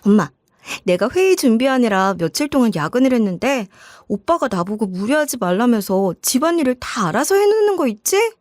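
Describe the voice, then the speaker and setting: A woman's voice: on the high side, sing-song, brisk, darkish tone, no room sound, clean studio sound. A woman voicing a chatty young daughter proudly gushing about her boyfriend in a dramatized story. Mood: gushing, touched.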